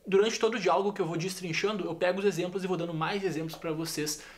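A man's voice: high-pitched, steady tone, fast. Chatty Brazilian man teaching English. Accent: Brazilian Portuguese. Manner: enthusiastic, chatty, repeats examples. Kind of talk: casual video lesson.

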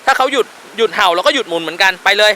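A man's voice: high voice, animated, racing, bright, forceful tone, a little hiss or hum. A man working as a dog trainer, coaching an owner outdoors with firm, short commands and explanations. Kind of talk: on-location dog training instruction.

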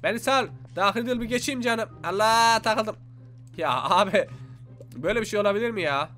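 A young man narrates his gameplay in a high, bright voice, quick to exclaim and chatting straight to his viewers. His tone is sharp and energetic, with faint game music under him. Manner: animated, exclaims and talks to viewers. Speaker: gaming YouTuber. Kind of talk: excited let's-play commentary.

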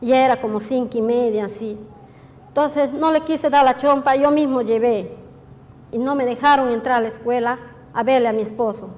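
A woman from Peru, giving halting, grief-laden testimony at a public hearing. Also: fairly high pitch, fairly even intonation, darkish tone. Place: large public hearing hall. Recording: long echoey hall reverb.

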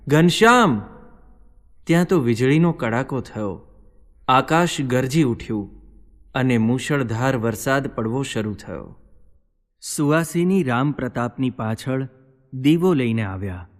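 Male storyteller, solemn dramatic narration, mid-pitched voice, reverberant hall.

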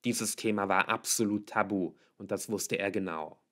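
A man's voice: lowish voice, moderate pace, pushed and bright. A man reading a novel aloud as scripted audiobook narration. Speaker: audiobook reader.

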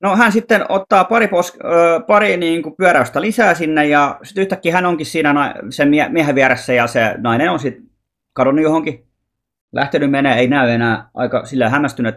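A man's voice: a little high, fairly bright tone. Rambling Finnish man telling a story. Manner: rambling, many restarts, acts out the lines of the people in the story. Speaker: vlogger. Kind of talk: casual storytelling, retelling a dream as a film script.

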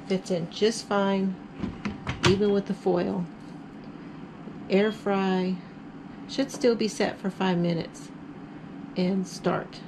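A woman's voice: mid-range voice, steady tone, takes it slowly, long pauses. Chatty woman cooking in a noisy kitchen. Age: middle-aged. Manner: chatty, explains each step while cooking. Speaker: cooking channel host. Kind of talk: casual cook-along narration. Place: home kitchen, indoors.

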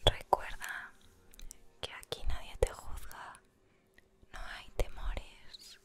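A woman with a Spanish accent whispers an ASMR guided meditation, soothing, gentle and unhurried. Music plays behind her.

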